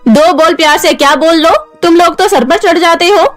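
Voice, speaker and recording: A woman's voice: sits high, expressive, normal speed, a bit bright, faint music behind, pitched above the performer's own voice. A woman voicing a cruel, scolding middle-aged stepmother in a cartoon story, harsh and insulting. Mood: angry, scolding.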